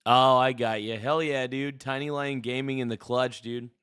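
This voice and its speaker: A man's voice: mid-range voice, fairly even intonation, normal speed, fairly bright tone, clear, resonant tone. A man hosting a live stream, chatting casually with viewers while he plays a game, in a laid-back way. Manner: laid-back, peppers talk with "dude" and "brother". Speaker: livestream host. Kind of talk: casual livestream chat while gaming.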